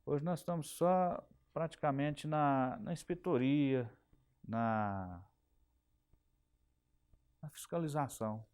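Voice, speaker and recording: A man's voice: on the high side, takes it slowly, long pauses, darkish tone, clean tone. A middle-aged man with a Minas Gerais Brazilian accent, recalling his working life in an oral history interview, often repeating and restarting words. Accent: Brazilian Portuguese, Minas Gerais. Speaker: interviewee, telephone company technician.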